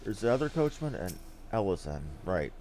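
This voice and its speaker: A man's voice: lowish voice, sing-song, normal speed, a little mellow, a little hiss or hum. A man giving casual gameplay commentary as a streamer, with crude, salty asides. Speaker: game streamer.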